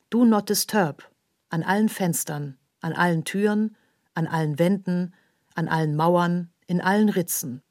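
An actress performing an outsider's literary radio monologue in short, incantatory, repeated phrases. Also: female voice, fairly low pitch, darkish tone, no room sound, studio quality. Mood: bitter, defiant.

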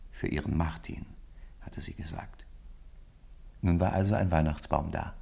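An older man with a gravelly, husky voice narrating a story in a radio play. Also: a bass voice, fairly even intonation, moderate pace, dark tone.

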